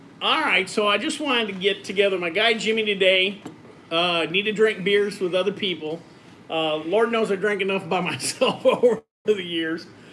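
Over light background noise, a man uses a raised, projected voice with ordinary pitch variation. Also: moderate pace. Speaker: channel host. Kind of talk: casual live stream chat. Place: home room. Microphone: phone near.

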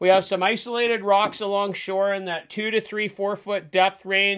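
A man talks in a high-pitched voice against a quiet background. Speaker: fishing guide host. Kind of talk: tutorial. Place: home room.

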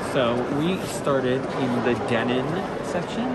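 A man speaks over loud background noise. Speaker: travel vlogger. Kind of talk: casual vlog chat. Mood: cheerful, joking. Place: hall. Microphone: phone near.

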